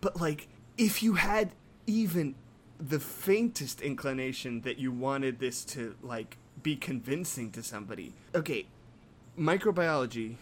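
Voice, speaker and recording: Brief: mid-pitched man, rambling, mock-outraged banter. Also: unhurried, a little hiss or hum. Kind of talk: casual comedic chat.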